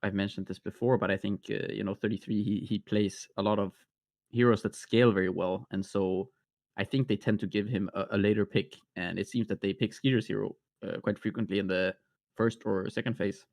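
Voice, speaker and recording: A man co-casting a live esports match, speaking haltingly with frequent restarts. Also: on the low side, fairly even intonation, creaky, darkish tone, dry recording, clean studio sound. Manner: hesitant, many restarts and fillers. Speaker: esports co-caster. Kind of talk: live game commentary.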